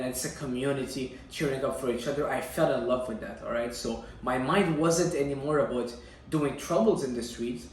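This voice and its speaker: Young man storytelling in a very echoey room. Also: medium pitch. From Syria. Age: young adult. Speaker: bodybuilder telling his own life story. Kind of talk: personal storytelling vlog. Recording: echoey room, distant mic, faint noise.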